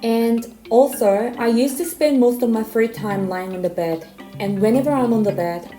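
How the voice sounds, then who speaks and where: A woman's voice: fairly high pitch, moderate pace, mellow, soft background music. Woman, Korean accent, twenties, casual self-deprecating vlog chat, echoey room. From South Korea. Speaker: vlogger.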